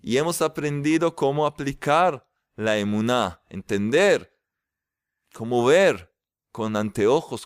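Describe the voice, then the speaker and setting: A man giving a casual, lively spiritual lecture as a religious teacher, drawing out stressed words. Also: medium pitch, clear, resonant tone, dry recording, clean studio sound.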